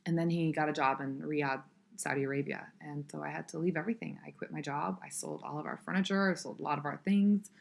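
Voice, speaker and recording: A woman's voice: deep voice, fairly even intonation, quick pace, creaky. Reflective woman guest recounting. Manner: earnest, reflective, with many fillers. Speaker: podcast guest. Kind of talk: personal storytelling in conversation.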